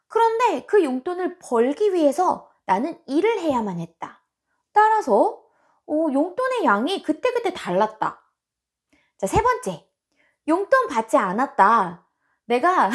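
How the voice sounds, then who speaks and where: A woman hosting a self-improvement channel, talking casually and expressively to her viewers. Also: high-pitched. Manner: animated and expressive, with acted-out quotes.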